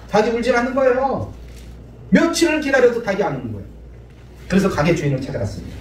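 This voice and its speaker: A man with a high voice preaches to his congregation, spinning homespun stories and acting out the characters in them. His words echo through a large church hall. He sounds distant from the microphone, with a faint hiss underneath. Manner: folksy storytelling, acts out dialogue, repeats phrases. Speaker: pastor. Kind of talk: sermon with storytelling. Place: church sanctuary. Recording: echoey hall from far off, faint noise.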